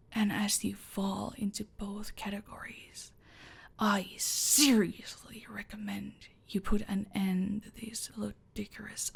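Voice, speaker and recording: A woman playing a cold, gravelly cartel boss. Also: mid-range voice, exaggerated voice. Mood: threatening. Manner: slow, measured, imperious, often whispered. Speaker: voice actor in audio roleplay. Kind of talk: ASMR roleplay.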